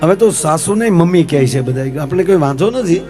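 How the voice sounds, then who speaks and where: A man's voice: on the high side, animated, fairly quick, a little mellow, soft background music. A man telling comic folk stories on stage in a chatty way, asking the audience rhetorical questions and calling them "sir". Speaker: folk comedian and storyteller. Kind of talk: live stage comic storytelling.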